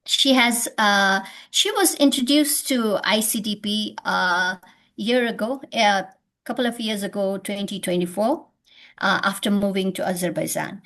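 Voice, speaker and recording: A woman with a Nepali accent introduces guests on an online webinar. She talks haltingly, filling pauses with "uh" and restarting words, and her voice comes through a video call. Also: mid-range voice, fairly bright tone. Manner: hesitant, many fillers. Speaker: webinar host.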